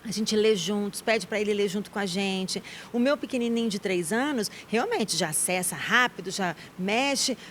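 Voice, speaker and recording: A woman's voice: mid-range voice, normal speed, hardly any pauses, slight background noise. A Brazilian woman journalist in her thirties, a guest in a TV studio interview, talking firmly and emphatically. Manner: firm, emphatic, outspoken.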